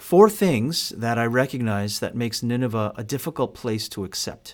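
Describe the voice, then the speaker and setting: At a fairly slow pace, a man with an ordinary speaking voice talks at medium pitch with ordinary pitch variation, in a very clean recording with a silent background. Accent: American. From New York City. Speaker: podcast host and pastor. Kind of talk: teaching monologue. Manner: measured, with frequent fillers.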